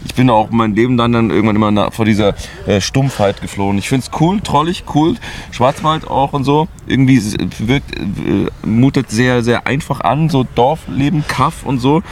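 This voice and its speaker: A man's voice: medium pitch, moderate pace, slight background noise. A man from the Black Forest in rowdy podcast banter, making crude jokes and laughing a lot, recorded outdoors behind a van. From Black Forest, Germany. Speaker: band member guest.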